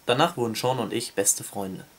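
A man who reviews books, reading a novel excerpt aloud in a steady, even narration. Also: medium pitch, moderate pace, breathy edge.

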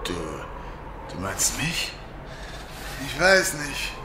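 An actor playing a hesitant, devoted gang member in an audio drama. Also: male voice, medium pitch, very animated, extremely slow. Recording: echoey with noisy ambience.

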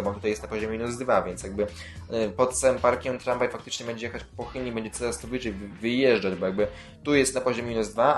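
Man of middle pitch, loose rambling host delivery, fillers and restarts, dry sarcasm, faint music underneath. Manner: rambling, many filler sounds and self-corrections. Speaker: YouTube host covering city transit news. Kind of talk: casual news roundup.

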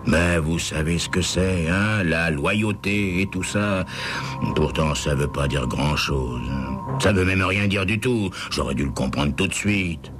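A man voicing a middle-aged motel manager who whines and laments in a high, plaintive voice. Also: measured pace, over music. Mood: resigned.

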